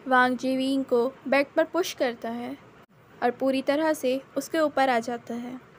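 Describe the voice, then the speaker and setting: A woman narrating her own fan fiction in steady, plain storytelling. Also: sits high, a little slow, slight background noise.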